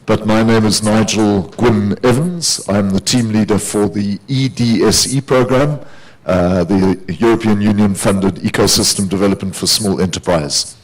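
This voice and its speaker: A man with a gravelly voice from overuse, leading a program, gives steady panel remarks with many fillers. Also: fairly low pitch, moderate pace, low-quality recording. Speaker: panelist, program team leader. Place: conference hall.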